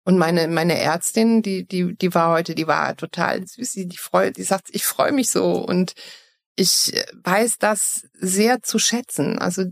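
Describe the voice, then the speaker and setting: A woman's voice: fairly low pitch, a little slow, gravelly. A woman from Eupen in Belgium with an East Belgian German accent, a guest talking openly and reflectively in an interview, often restarting her sentences. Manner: frank, reflective, with many restarts. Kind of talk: personal interview conversation. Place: Cologne.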